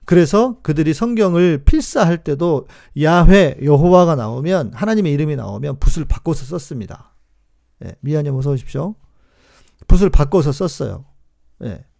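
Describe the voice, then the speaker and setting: A man's voice: fairly high pitch, lively intonation, moderate pace, creaky, warm tone. A man in his forties, a pastor hosting a live stream, teaches in a chatty, emphatic way, repeating key words and answering viewers' comments as he goes.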